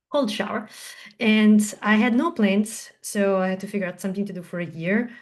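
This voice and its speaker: A woman's voice: mid-range voice, a little mellow. A woman in her thirties from southern Italy, speaking English as a second language after Italian. She tells her story as a podcast guest in a casual, chatty way, full of ums and you-knows. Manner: chatty, storytelling with frequent fillers. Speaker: guest, translator and tech co-founder.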